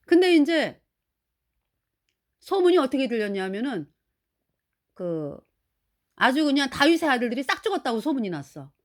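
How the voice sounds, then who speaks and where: Woman preacher, high animated delivery, chatty, acts out the quotes. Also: normal speed, pauses often. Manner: colloquial, acts out quotes, asks listeners for agreement. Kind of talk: sermon retelling a Bible story.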